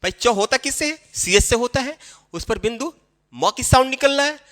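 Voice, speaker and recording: A man with a high, very animated voice teaches a spelling lesson to small children. He talks slowly, repeats each step and speaks to the children directly. His bright voice rings with a long reverb. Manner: explains slowly and repeats himself, addressing children. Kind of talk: classroom-style spelling lesson.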